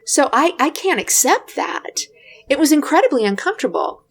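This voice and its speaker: A woman's voice: high voice, big pitch swings, moderate pace. A woman co-hosting a podcast, speaking reflectively and hedging her points, often restarting with "I mean". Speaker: podcast co-host. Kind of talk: casual podcast conversation.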